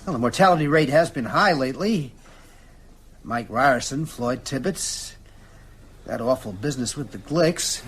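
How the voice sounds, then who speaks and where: An actor playing a wry, articulate, middle-aged Catholic priest in a radio drama, with a husky voice and measured delivery. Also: male voice, mid-range voice, animated, fairly bright tone, a little hiss or hum, lightly acted. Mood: wry, intrigued.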